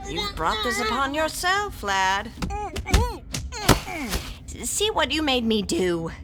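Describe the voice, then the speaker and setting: A woman's voice: high-pitched, big pitch swings, takes it slowly, very noisy, exaggerated voice. A woman playing a shrewd, scholarly older classicist who tells tales and scolds her companions in a theatrical manner. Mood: scolding, musing. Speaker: narrator and lead character. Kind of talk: audio drama acting.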